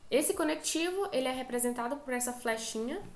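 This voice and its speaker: A Brazilian woman teacher leads an online lecture, high-pitched with a gravelly edge to her voice. She explains patiently step by step and keeps checking that her students are following. The sound has a roomy echo around it. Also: animated, a little fast. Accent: Brazilian Portuguese.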